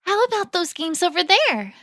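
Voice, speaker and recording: A woman acts out an eager, bookish young heroine in an audio story. Her voice sits high and swings expressively, with an earnest, excitable manner and a dry, close sound. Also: moderate pace, no echo, full character voice. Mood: eager, curious. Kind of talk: fan fiction audio drama dialogue.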